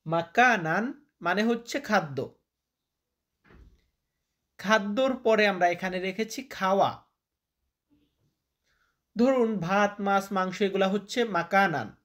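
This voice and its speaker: In a vocabulary lesson, a language teacher from Bangladesh repeats each word and then quizzes the listener. His voice is high-pitched with a fairly bright tone.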